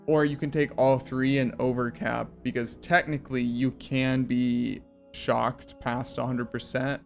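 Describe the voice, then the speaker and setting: Tired young man losing his voice. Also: mid-range voice. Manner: rambling, filler-heavy explanation. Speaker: game build guide creator. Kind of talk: casual game guide walkthrough. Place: home room at a computer.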